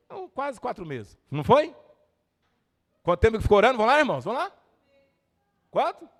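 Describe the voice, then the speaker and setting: A man with a Brazilian accent preaching a fervent Pentecostal sermon, swelling to shouts and calling on the congregation. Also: sits high. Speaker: evangelist preacher. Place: church service hall. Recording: echoey church hall.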